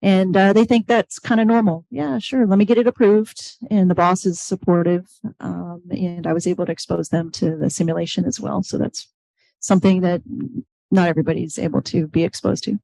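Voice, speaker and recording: A woman with a low, mellow voice speaks on a panel. She tells a relaxed story and acts out small quotes. The sound is dry. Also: brisk, creaky, no echo, low-quality recording. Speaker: pilot and mother on a panel. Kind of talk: casual panel talk.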